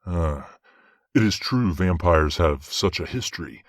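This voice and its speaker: A man playing an authoritative judging archangel in an audio drama, formal, commanding and even-handed. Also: low voice, a little slow, no room sound, clean studio sound. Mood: measured, questioning. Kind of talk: dramatic audio roleplay acting.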